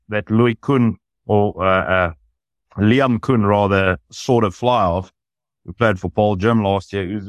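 A man's voice: fairly low pitch, no echo. A man, a rugby commentator talking enthusiastically and analytically in a podcast discussion.

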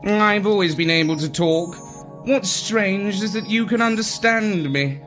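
Guy doing a whiny grumpy cat for a kids story, pitched up, kinda slow. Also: fairly bright tone, faint music behind. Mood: indignant. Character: grumpy, whining, indignant male pet cat. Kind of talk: children's storybook character voice.

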